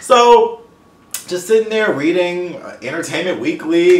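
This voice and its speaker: A man's voice with very wide pitch swings, amid audible room echo and noticeable background noise. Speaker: vlogger. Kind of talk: personal story vlog. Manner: fast; casual, stumbling over words.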